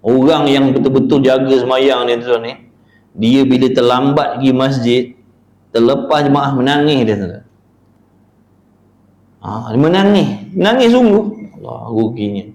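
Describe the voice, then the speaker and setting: A man's voice: mid-range voice, normal speed, long pauses, darkish tone. A man giving a dawn religious lecture in a neighbourhood prayer hall, talking in a colloquial, chatty way and asking rhetorical questions. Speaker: religious teacher.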